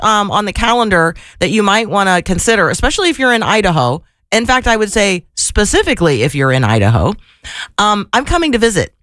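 Woman, radio host, slightly gravelly voice, chatty, effusive, fillers and restarts, dry studio mic. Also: on the low side, a bit bright, no room sound. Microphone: studio microphone.

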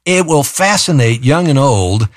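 Guy hosting a radio show, upbeat and playful, pitching donations, dry close mic. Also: lively intonation, a little slow, no echo. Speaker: radio talk show host. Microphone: studio microphone.

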